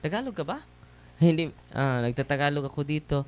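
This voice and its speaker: A man's voice: a little high, animated, fairly quick, smooth. A man, a Catholic priest, giving a conversational testimony sermon to a seated audience, often tossing tag questions back at them. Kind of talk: preaching testimony to a live audience. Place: church or hall with seated audience.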